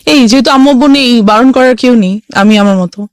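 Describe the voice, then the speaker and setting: A woman's voice: fairly high pitch, fairly quick, no echo, studio quality. A young woman telling her personal life story as a guest on a radio show, earnest and mixing English phrases into her talk.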